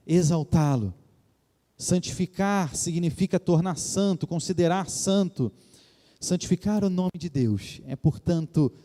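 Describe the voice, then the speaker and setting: A man's voice: fairly high pitch, mellow. A man from Rio de Janeiro preaching a sermon as pastor, earnest and reverent, often calling the congregation "dear ones". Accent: Brazilian Portuguese, Rio de Janeiro. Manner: addresses the congregation as "queridos" often. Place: church sanctuary. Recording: long church reverb.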